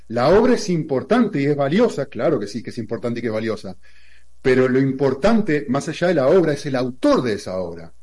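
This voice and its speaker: A man's voice: medium pitch, darkish tone. A man from Argentina with an Argentine accent, explaining Christian ideas in a conversational teaching style, building his point with everyday examples and rhetorical questions. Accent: Argentine Spanish.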